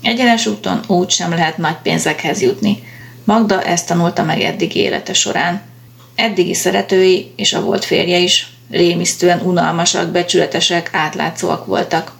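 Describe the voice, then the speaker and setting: Low gravelly female audiobook narrator. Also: steady tone. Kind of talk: audiobook reading.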